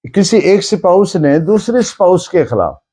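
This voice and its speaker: A Pakistani man teaches law in a higher-pitched, very animated voice. His tone is soft-edged and mellow, and he explains didactically, stressing and repeating key phrases with English legal terms mixed in. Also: normal speed, slightly rough. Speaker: law lecturer. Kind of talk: lecture, explaining and dictating case citations.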